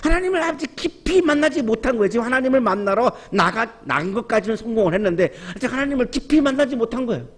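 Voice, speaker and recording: A man in his fifties preaching a Sunday sermon in a church, telling a story and acting out quiet whispered lines and loud calls. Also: extremely high pitch, animated, fast talker, few pauses. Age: 50s. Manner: storytelling with soft acted quotes and sudden raised exclamations. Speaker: pastor. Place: church sanctuary.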